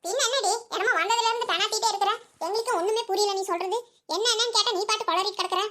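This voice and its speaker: Chatty village woman, cartoon, very high squeaky voice, bright and sharp, quick gossiping. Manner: chatty, fussing, teasing scolding. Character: chatty village women gossiping, homely and fussing. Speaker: cartoon character.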